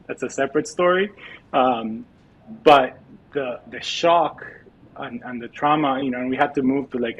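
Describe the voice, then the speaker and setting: A man's voice: medium pitch, husky, low-quality recording. A middle-aged man from El Salvador, a podcast guest telling his life story in a reflective way, with many restarts. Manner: reflective, frequent restarts and fillers. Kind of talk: podcast interview.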